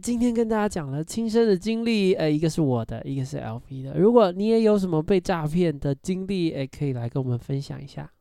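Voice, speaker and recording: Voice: mid-range voice, expressive, a little fast, creaky, few pauses, mellow, no echo, studio quality. A podcast co-host, chatting casually and prompting a partner with questions. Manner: reactive, asks questions, playful. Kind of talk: casual chat.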